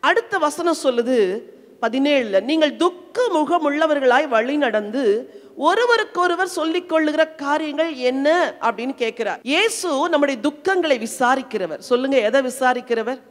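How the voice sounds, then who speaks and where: A woman's voice: high-pitched, expressive, normal speed. A middle-aged woman from India with a Tamil accent, preaching a sermon with strong emotional swells. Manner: emotional, rising and falling in intensity. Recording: long reverberant hall.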